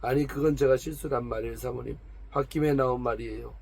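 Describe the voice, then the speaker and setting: A man's voice: medium pitch, steady tone, quick pace, vocal fry, husky. A man reading aloud the lines of a proud, complaining woman of 45 from a noble family. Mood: pleading. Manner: complaining, defensive, pleading.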